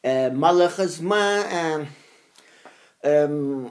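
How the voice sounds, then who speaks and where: Slow, halting woman speaking as non-native beginner. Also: low-pitched, a little mellow. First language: not French. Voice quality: non-native, beginner French with frequent errors. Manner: halting, repeating phrases while searching for words. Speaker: language learner making practice videos for own channel. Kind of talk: unscripted monologue practicing a foreign language.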